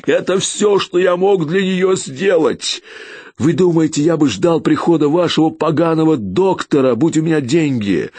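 A man reading an audiobook, voicing the first-person hero, a desperate young father who shouts in raw, strained anger. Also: low-pitched, animated, moderate pace, no echo. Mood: furious.

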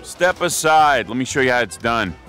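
A man's voice: medium pitch, big pitch swings, normal speed, over music, crowd noise, close to an everyday voice. An actor in a radio drama playing a cocky, greedy small-time hood with an American accent and brash, slangy wise-guy talk.

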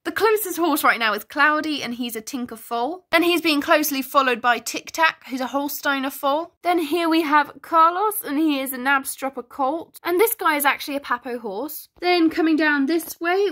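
A woman's voice: sits high, normal speed, few pauses, a bit bright. A woman from the United Kingdom narrating a casual tour of her toy horse barn, chatty with self-deprecating asides.

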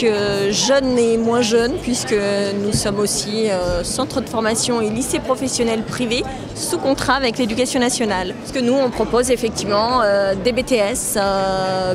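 Measured woman at an exhibition stand. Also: a little high, crowd noise. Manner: measured, with hesitant fillers. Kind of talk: interview answers. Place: busy indoor exhibition hall.

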